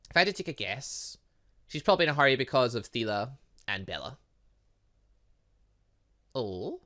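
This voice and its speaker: A male gaming host with a bright, forceful voice. His pitch moves around a lot as he reads game text aloud and drops in chatty comments. He occasionally stumbles on a word and carries on. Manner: stumbles over long words, chatty asides. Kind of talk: let's play, reading game dialogue aloud with commentary.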